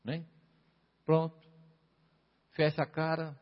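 A man preaching a sermon to a congregation, reading scripture and explaining it with sharp rises and drops and frequent calls for amen. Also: a little high, completely flat delivery, slow pace. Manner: emphatic, rises and falls sharply, asks the congregation for amens. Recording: dull lo-fi sound with long hall reverb.

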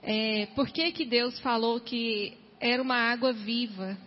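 A woman's voice: on the high side, steady tone, unhurried. A woman from the congregation sharing her reflection on the sermon, hesitant and full of tag questions. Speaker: congregation member. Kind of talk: sharing a reflection at a church meeting. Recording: dull, reverberant hall recording.

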